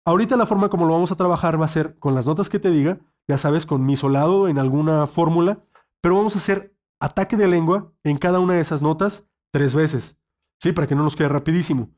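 A man's voice: on the high side, quick pace, darkish tone. A male saxophone teacher, giving an online lesson and checking in patiently with the student.

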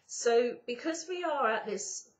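A middle-aged woman with a croaky morning voice, talking to her webcam from a sofa at home in a slow spiritual monologue with drawn-out pauses. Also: a little high, animated. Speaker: spiritual channeler and YouTuber. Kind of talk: casual spiritual monologue to camera. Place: indoors, sitting on a sofa at home. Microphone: webcam at close range. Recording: slightly dull webcam audio.

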